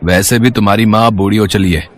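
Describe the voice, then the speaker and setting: A man's voice: on the low side, fairly even intonation, brisk, close to an everyday voice. A man playing a spoiled, arrogant rich young son in a dramatised story, entitled and mocking, dropping in English words. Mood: mocking, smug. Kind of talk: dramatised Hindi story acting.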